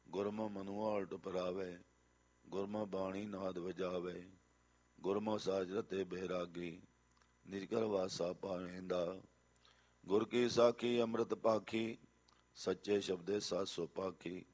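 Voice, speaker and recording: A man reciting scripture in a slow, measured chant with a melodic lilt, sometimes repeating lines. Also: low voice, a little mellow.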